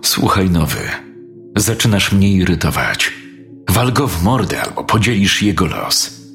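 A man's voice: low-pitched, sing-song, measured pace, fairly bright tone, faint music behind, full character voice. A man voicing a cruel, commanding male gang leader with a cold, threatening delivery. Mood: menacing.

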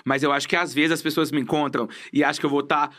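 A young man with a Brazilian Portuguese accent, chatting as a guest and telling stories, acting out what people said. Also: a little high. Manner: fast animated storyteller, acts out quotes. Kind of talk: casual chat.

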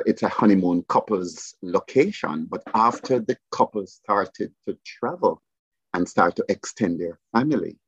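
Jamaican man, very low voice, muffled lo-fi sound, hesitant with fillers. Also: husky, no room sound. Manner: speaks with many fillers and pauses. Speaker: resort business development guest. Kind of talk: podcast interview.

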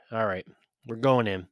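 A man's voice: fairly low pitch, a bit bright, dry recording, clean studio sound. A man hosting a podcast, giving a blunt, chatty whiskey review with profane, mocking asides. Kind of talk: casual spoken review.

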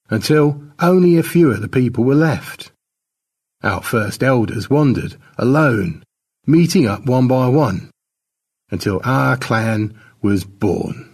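In a full character voice, a man plays a tribal elder handing down a sad legend to the young. His telling is solemn and simple, with widely swinging pitch and a husky, creaky grain. It is recorded from a distance.

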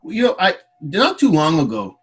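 A man's voice: a little high, wildly swooping pitch, normal speed, slightly rough. A man interviewing a guest in a casual, conversational style.

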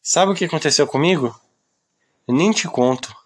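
A man's voice: on the high side, moderate pace, breathy edge, pitched above the performer's own voice. A man playing a whiny woman who greets people by complaining about her dull life.

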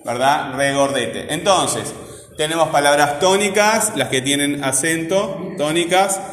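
Teacher in an echoey classroom. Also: male voice, a little high, a bit bright, soft background music. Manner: patient, drills aloud, repeats phrases slowly. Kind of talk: classroom lesson. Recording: echoey classroom with long reverb.

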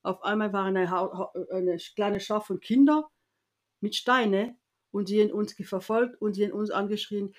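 A woman from France recounts a personal story in an interview at a middle pitch. She talks in a lively way and acts out the voices of people she quotes, often breaking off and restarting her sentences. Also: normal speed.

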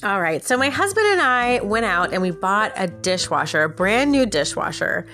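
A woman's voice: medium pitch, sing-song, normal speed, pushed and bright, faint music behind. A woman hosting a podcast with a nasal, stuffed-up voice from a sinus infection, telling a casual story and chatting straight to listeners with frequent little laughs. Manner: chatty, laughs often, addresses listeners directly. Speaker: podcast host.

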